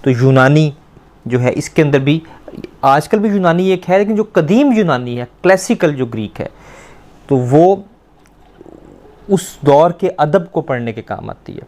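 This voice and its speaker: A man teaching a language lesson, explaining step by step, repeating words slowly and quizzing a student. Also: on the high side, lively intonation, a little mellow.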